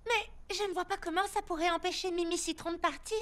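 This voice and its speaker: A woman's voice: extremely high pitch, fast talker. A woman voicing a questioning, doubtful young girl in a children's cartoon. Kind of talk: French children's cartoon dub acting.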